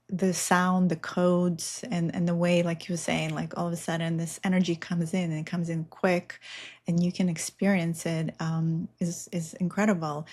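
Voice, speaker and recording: A woman's voice: on the low side, mellow. A middle-aged woman from Belarus, a native Russian speaker, talking in an earnest, meandering way with many fillers as a guest in a spiritual interview. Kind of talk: casual interview talk.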